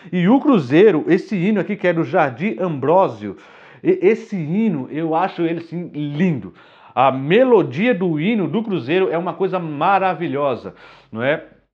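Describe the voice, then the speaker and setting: A man's high-pitched voice carries lively intonation at a moderate pace. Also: quiet background. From Bahia, Brazil. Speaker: music YouTuber. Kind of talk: casual vlog monologue. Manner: hesitant, many fillers. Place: home room.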